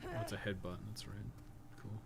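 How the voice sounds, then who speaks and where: A man's voice: lowish voice, fairly even intonation, a little fast, gravelly. A man chatting casually on a live game stream, rambling and wry, with loose, profane phrasing. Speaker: live streamer, podcast co-host. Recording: game audio noise behind voice.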